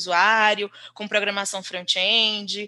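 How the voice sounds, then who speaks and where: Bright, sharp tone from a woman, her pitch fairly high. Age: 30s. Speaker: software developer. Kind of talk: casual interview.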